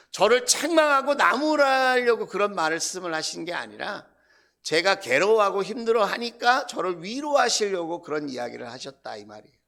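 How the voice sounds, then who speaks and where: A male pastor giving a Sunday sermon, earnest, sometimes acting out his own prayers in a quieter voice. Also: high voice, gravelly. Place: church sanctuary.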